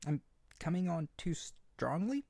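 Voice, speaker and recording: A man's voice: a little high, a little slow, creaky, dry recording, heavily acted. A man playing a hyper, naive and desperate harpy boy in an ASMR character roleplay, earnest and pleading. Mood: anxious, pleading. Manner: pleading, excitable, stammering, earnest.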